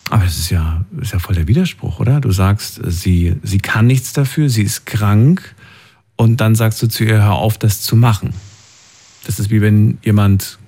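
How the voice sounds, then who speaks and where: Male radio host, husky, presses callers with pointed questions. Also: lowish voice, normal speed, warm tone. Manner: probing, questions each answer. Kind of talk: call-in radio talk.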